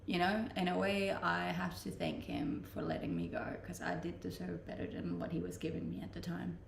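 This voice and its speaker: Danish-accented female streamer, gravelly, chatty and self-deprecating, echoey room with faint noise. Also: on the low side, huge pitch swings, brisk. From Denmark. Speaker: Twitch streamer. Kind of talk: casual live-stream chat, reading out and answering viewer comments.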